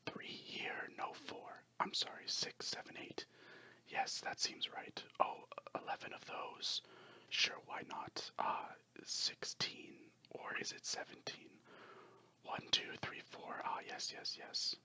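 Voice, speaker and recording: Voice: slow pace, pushed and bright. A storyteller voicing a small, stooped, chatty old man who mutters and rambles, in a whispered role-play for a story. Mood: muttering, distracted.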